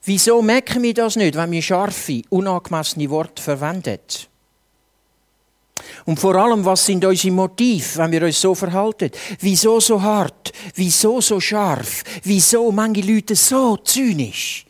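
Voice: mid-range voice, measured pace. A preacher with a Swiss German accent, delivering a sermon with earnest rhetorical questions addressed straight to the listeners.

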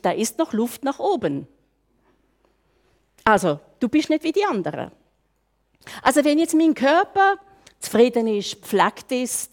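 Older woman, Swiss German accent, preacher, bright and lively pitch, chatty sermon. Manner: lively, conversational, with rhetorical questions.

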